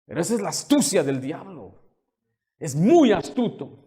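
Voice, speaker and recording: High-voiced fervent male pastor preaching. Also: sing-song, moderate pace, warm tone. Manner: fervent preaching with rhetorical questions; indignant, scolding. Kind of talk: sermon.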